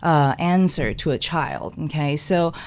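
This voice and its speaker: Woman, from Taiwan, low voice, halting speech, lots of fillers, interview guest. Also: lively intonation, a little mellow. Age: young adult. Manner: halting, many fillers and restarts. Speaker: guest designer. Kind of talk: casual interview talk.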